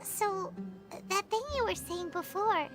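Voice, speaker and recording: A woman voicing a small, excitable, naive and cheerful fairy-like companion in a video game, with a squeaky childlike voice and exclamatory way of talking. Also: slow. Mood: curious. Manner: exclamatory, refers to self in third person. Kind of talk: animated video game voice acting. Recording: loud music behind the voice. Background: music.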